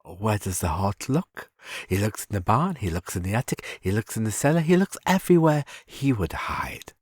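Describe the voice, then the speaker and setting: Man acting a low-voiced, smug Nazi officer. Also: sing-song, moderate pace, darkish tone, slightly rough, dry recording, studio quality. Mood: smug, menacing. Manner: methodical, smug, menacing. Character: cunning, smug male Nazi officer hunting fugitives. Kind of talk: dramatic film monologue.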